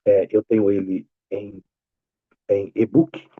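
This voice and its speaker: A man with a Brazilian accent, a pastor praying softly and then speaking to his congregation about his books over a video call. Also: lowish voice, flat delivery, takes it slowly, slightly rough, no room sound, narrow, tinny audio. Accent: Brazilian Portuguese. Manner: fervent soft-spoken prayer, then upbeat warm greeting. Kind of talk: prayer and sermon talk.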